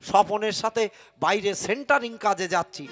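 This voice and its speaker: A man voicing a sly, clever village husband in a comic folk puppet show, muttering quick asides to himself. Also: high voice, fairly bright tone. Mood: scheming. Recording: tabla music behind. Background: tabla and folk music.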